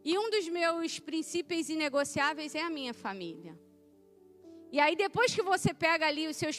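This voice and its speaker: Very high-voiced woman preaching. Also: fairly bright tone. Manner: emphatic, conversational preaching. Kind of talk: sermon.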